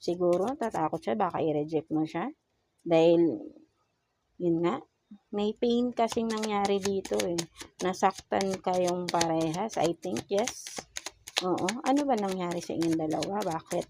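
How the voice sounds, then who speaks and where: A Filipino-accented woman gives a casual tarot reading, mixing Tagalog and English and asking coaxing rhetorical questions in a slow, murmured, pleading way as she draws cards. Her voice is on the low side, with a noisy background.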